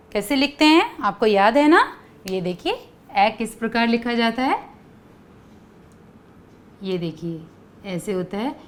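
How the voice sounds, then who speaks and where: A woman's voice: fairly high pitch, fairly bright tone. A woman teaching young children, coaxing them with questions and asking them to repeat sounds after her. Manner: coaxing, asks kids to repeat. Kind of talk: children's lesson.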